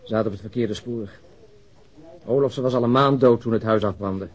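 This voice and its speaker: A man playing a gruff, skeptical police detective in a radio drama, brusque and sardonic. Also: mid-range voice, a little fast, close to an everyday voice. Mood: frustrated. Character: gruff, skeptical male police detective, grudgingly following along. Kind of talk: Dutch radio drama acting. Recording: dull, lo-fi radio drama recording.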